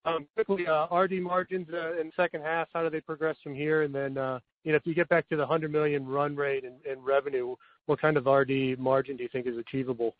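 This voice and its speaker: A man calling in as an analyst, asking halting questions with fillers over a bad phone connection that keeps breaking up. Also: fairly high pitch, little pitch movement, no echo. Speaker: analyst caller on an earnings call. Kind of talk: questions on a conference call. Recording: dry, tinny phone line.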